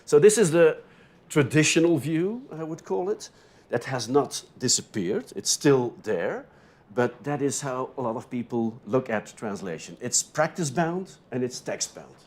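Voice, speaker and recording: A man whose first language is Dutch, speaking English with a Dutch accent while giving an opening lecture to graduate students. He thinks aloud as he goes, keeps checking in with a quick "no?", and swings between louder and softer phrases. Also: medium pitch, expressive. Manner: rises and drops sharply in loudness between phrases. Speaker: university lecturer.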